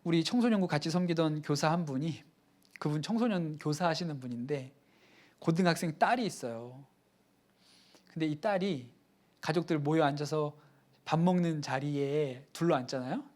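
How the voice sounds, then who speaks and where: Middle-aged male pastor, somewhat high voice, earnest sermon delivery, lively acted-out quotes. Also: normal speed. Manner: earnest preaching, acts out quoted dialogue with lively rises.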